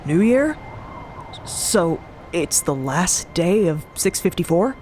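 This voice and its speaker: A woman's voice: fairly low pitch, big pitch swings, slow pace, a little mellow, slight background noise. Woman voicing an urgent, unhinged guild official. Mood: shaken, demanding. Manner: urgent, demanding, slightly unhinged. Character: intense, frantic guild chamberlain in rumpled uniform. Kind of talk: acted dialogue in fantasy audio drama.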